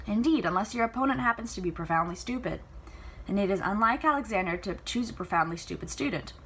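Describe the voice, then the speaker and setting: A woman reader plays a contemptuous old magician, now a ghostly father. The delivery is curt and disapproving, brushing objections aside in a storybook manner. The recording is clearly noisy. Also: medium pitch, animated, quick pace, fairly bright tone, lightly acted. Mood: cold, contemptuous. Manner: curt, dismissive. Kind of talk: storybook character reading.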